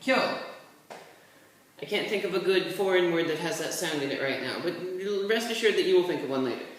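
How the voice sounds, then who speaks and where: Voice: mid-range voice, animated, fairly quick, far from the mic. A person giving a laid-back, rambling tutorial while writing characters, with offhand asides. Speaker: language tutor. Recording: very echoey room, voice set back from the mic, faint hiss.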